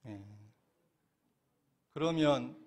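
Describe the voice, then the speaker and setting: A man's voice: on the high side, expressive, drawn-out words, a little mellow. A middle-aged man giving a sermon as a minister. He keeps putting questions to the listeners, then answers them himself with a laugh now and then. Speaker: Won Buddhist minister.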